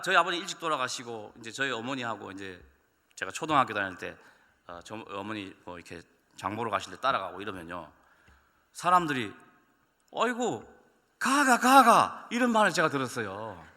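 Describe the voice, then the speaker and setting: Guy pastor preaching, bright voice, acts out the people in his stories, big church echo. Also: medium pitch. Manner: animated storytelling, acting out voices. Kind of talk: sermon. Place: church sanctuary. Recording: long church hall reverb.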